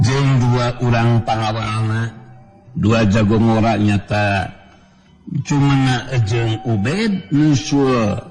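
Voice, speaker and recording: A man from West Java narrating a folk tale as a storyteller, in a measured way. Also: on the low side. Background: background music.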